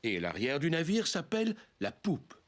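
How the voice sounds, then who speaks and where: A man's voice: a little high, huge pitch swings, normal speed. A man playing a kindly, teasing old grandfather in a children's cartoon, explaining things playfully.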